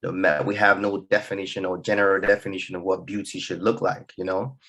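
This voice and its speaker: Relaxed Nigerian-accented young man. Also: deep voice, fast, husky. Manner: relaxed, loose talk full of "you know". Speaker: musician guest. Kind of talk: radio interview. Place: radio studio.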